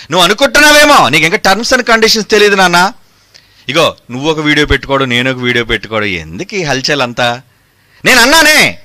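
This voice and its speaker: A man's voice: fairly high pitch, sharp tone. A man preaching a fiery sermon, combative and mocking, firing rhetorical questions.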